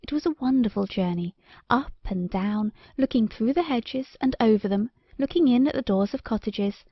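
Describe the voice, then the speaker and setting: A woman's voice: on the high side, moderate pace, husky, no echo, muffled recording. A woman reading a children's story aloud as scripted audiobook narration.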